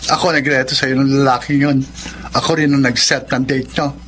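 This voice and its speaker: A man's voice: medium pitch, little pitch movement, brisk, fairly bright tone, slight background noise, lightly acted. An actor playing a young, teasing, effeminate gay Filipino man in a radio romance drama. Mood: fond. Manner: effeminate, sassy, playful camp delivery. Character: campy, teasing gay best friend Carlo, young man.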